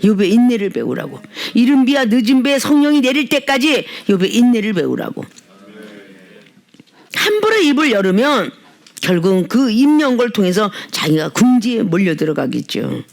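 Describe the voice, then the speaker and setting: A woman's voice: fairly high pitch, big pitch swings, moderate pace. A woman pastor preaching an emphatic sermon at a healing service, often prodding listeners with tag questions.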